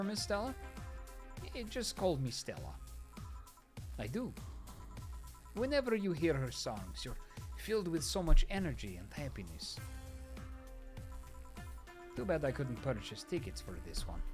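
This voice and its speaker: A man voicing a chatty young woman customer who speaks with a Russian accent. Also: fairly high pitch.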